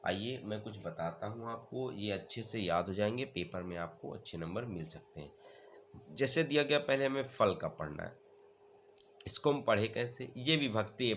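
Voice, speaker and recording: A male teacher in an exam-prep lesson who chants word forms slowly and keeps asking whether it is clear. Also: lowish voice, a bit bright, a little hiss or hum. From India.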